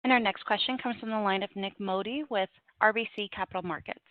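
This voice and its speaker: A woman's voice: mid-range voice, fast talker, dry recording. A woman conference operator making scripted, formal announcements. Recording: dry, narrow phone line.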